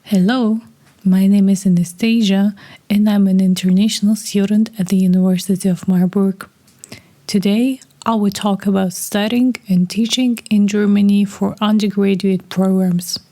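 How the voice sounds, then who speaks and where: A young woman student who introduces a podcast and asks polite, measured interview questions. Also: mid-range voice, steady tone, mellow.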